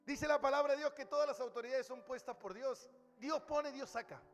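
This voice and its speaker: High-voiced emphatic preaching pastor man. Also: fairly quick, big-room sound, faint music behind. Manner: emphatic preaching, addresses listeners as brother. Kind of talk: sermon. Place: church hall.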